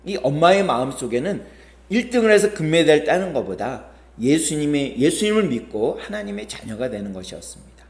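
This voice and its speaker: 목사 남성, 울리는 예배당 설교. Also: male voice, fairly high pitch, expressive, brisk, roomy sound. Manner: storytelling with quoted voices, rising and falling emphasis. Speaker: pastor. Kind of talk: sermon. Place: church sanctuary.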